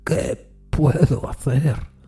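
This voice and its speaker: A man playing an anguished railway signalman haunted by a spectre, earnest, deferential and hushed, in a dramatic audio story. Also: on the high side, steady tone, extremely slow, breathy edge, soft background music, pitched above the performer's own voice, heavily acted. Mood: anguished, fearful. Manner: troubled, pensive, hushed.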